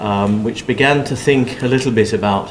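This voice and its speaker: Amid noticeable background noise and audible room echo, a man with a southern English accent speaks with fairly even intonation. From southern England. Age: 60s. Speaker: professor. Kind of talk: lecture. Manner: hesitant, many ums.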